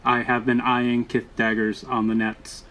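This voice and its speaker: Man playing a flat, formal robot bodyguard. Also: mid-range voice, slight background noise, lightly acted, poor audio. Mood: analytical, dry. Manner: stilted, formal, halting machine-like delivery. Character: loyal, literal-minded male robot bodyguard, patient and formal. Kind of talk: tabletop roleplay acting.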